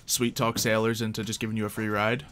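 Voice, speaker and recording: A man's voice: on the low side, level tone, fast talker, a bit bright, soft background music. Man casually running a tabletop roleplay game. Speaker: game master.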